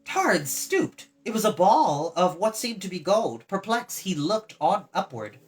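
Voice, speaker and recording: A woman reading a fantasy story aloud as an expressive storytime narrator. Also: mid-range voice, a little slow. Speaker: storytime host and reader.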